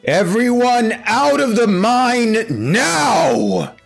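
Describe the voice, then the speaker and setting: A man voicing a male character whose magically amplified voice booms out a thunderous command. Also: lively intonation, very slow, gravelly, faint music behind, full character voice. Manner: thunderous, booming shout.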